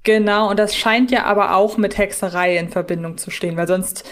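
A woman with a medium-pitched voice speaks as a podcast co-host. She reasons aloud in a casual, analytical way, often turning points into questions. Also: fairly even intonation, a little fast.

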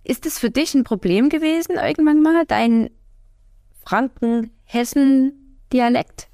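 A woman from the Erzgebirge with a Saxon accent, co-hosting a casual podcast chat from a home party room, talking with frequent fillers and pauses. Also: sits high, mellow, no room sound, clean studio sound. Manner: chatty, hesitant with fillers, laughs easily. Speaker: podcast co-host.

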